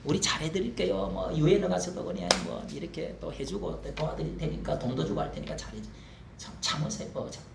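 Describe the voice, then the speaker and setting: A man voicing a cowering man who softly begs an aggressor for mercy, heard in an echoey hall. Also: a little high, expressive, a little fast, gravelly, noisy background. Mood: pleading.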